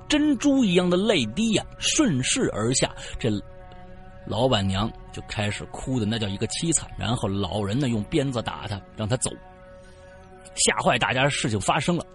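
Lively male ghost story teller. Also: medium pitch, normal speed, pauses often, faint music behind. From Qinghai, China. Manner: chatty, asides to listeners. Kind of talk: casual ghost story narration.

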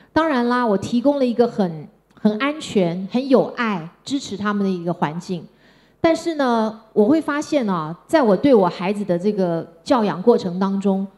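A middle-aged woman from Taiwan, giving a personal storytelling talk in a gentle, conversational way. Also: mid-range voice. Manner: gentle, conversational, with soft sentence-end particles. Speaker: speaker. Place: stage before an audience.

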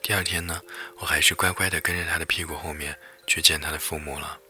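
A man's voice: a bass voice, little pitch movement, fast talker, bright, forceful tone, soft background music. A man reading a first-person romance story aloud as a storyteller, in an emotive, dramatic way.

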